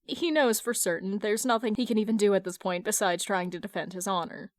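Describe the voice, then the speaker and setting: A woman reading fan fiction aloud in an expressive, colloquial storytelling style. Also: mid-range voice, brisk, no room sound, clean studio sound.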